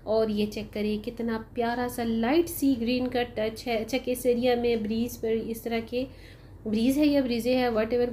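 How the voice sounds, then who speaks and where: A shopping vlogger narrates her sale haul in a casual, chatty voice-over, taking her time and dropping plenty of "uh" fillers while calling viewers "janab" and "bhai." Her voice sits fairly high with a warm tone, and there's slight background noise.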